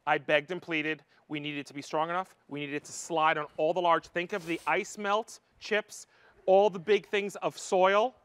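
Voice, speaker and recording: A middle-aged man presenting a product on a live shopping channel, excitable and full of playful banter. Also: on the high side, moderate pace, clean tone, no echo. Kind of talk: live home shopping sales talk. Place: large TV studio kitchen set.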